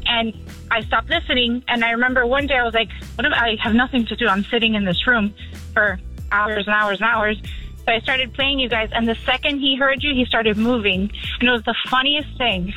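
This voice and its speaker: A woman's voice: fairly high pitch, steady tone, a little fast, bright, forceful tone, soft background music, poor audio. A woman calling in to a radio show while driving, talking in a friendly, chatty way. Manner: friendly and talkative, laughs easily. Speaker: radio caller. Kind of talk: casual phone-in chat. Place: driving in a car.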